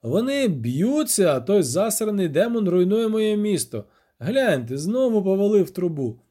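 An outraged town mayor who fusses and barks orders, his words drawn out for emphasis, as a male narrator puts him on. The pitch sits high and moves a lot. The tone is mellow. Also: very animated, measured pace, heavily acted. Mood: indignant. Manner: indignant, bossy. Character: man, grim town mayor, fussy and indignant.

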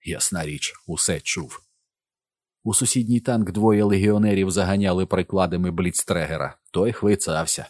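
Male audiobook narrator, very deep, steady read, dry close sound. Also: normal speed, no room sound.

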